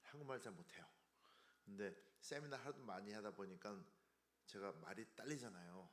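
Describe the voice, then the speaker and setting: A man, giving an informal health seminar in a halting way with restarts and stumbles. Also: lowish voice, a bit bright. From Korea, later raised in the United States. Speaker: seminar speaker, health researcher. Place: indoor seminar room. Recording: roomy, echoey seminar room.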